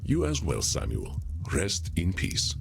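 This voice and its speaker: An actor playing an ancient, powerful vampire mentor in a video game, solemn and kindly, with formal, measured, eloquent phrasing. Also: male voice, deep voice, wildly swooping pitch, creaky, noisy background, full character voice. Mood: reassuring. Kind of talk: visual novel game voice acting. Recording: music playing behind the voice.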